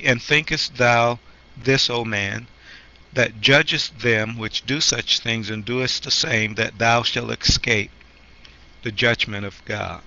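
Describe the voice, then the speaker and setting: A man who is a pastor, coming down with a cold, teaching a Bible study in a slow, halting way, clearing his throat often. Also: medium pitch, sharp tone. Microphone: handheld microphone. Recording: muffled lo-fi recording with faint noise.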